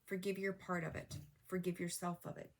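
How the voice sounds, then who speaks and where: A woman with a fairly low, flat voice talks a little fast, reading tarot straight to viewers in a casual spiritual style. She coaches earnestly and repeats her advice while her voice wears thin, and she keeps clearing her throat as she loses it.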